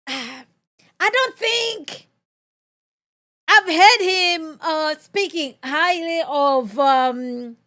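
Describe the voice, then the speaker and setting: A woman hosting a podcast, reacting casually with plenty of fillers and pauses. Her voice is high and bright, and she speaks at an unhurried pace. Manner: chatty, hesitant, many fillers. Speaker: podcast host.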